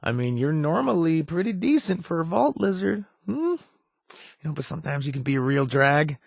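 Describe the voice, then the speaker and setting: An actor playing a gruff, washed-up ex-raider who now runs a bar, sardonic and joking one moment, earnest and grateful the next, in video game voice lines. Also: male voice, on the high side, sing-song, normal speed, dry recording, studio quality, full character voice. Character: gruff washed-up male ex-raider bartender, wry. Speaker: game companion character.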